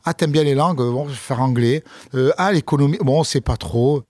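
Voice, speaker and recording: A man's voice: medium pitch, brisk, no room sound. A man, a comedian, talking casually in an interview, telling stories with fillers and restarts. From France. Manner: relaxed storytelling, many fillers and restarts. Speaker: comedian guest.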